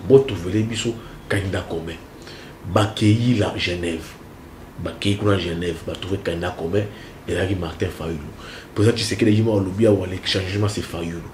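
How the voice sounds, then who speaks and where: Emphatic low-voiced Congolese man, echoey. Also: normal speed, a little mellow. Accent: Congolese French. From Central Kongo, DR Congo. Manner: emphatic, repeats phrases, mixes French and Lingala. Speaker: political analyst guest. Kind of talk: animated interview answers. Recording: echoey room with faint noise.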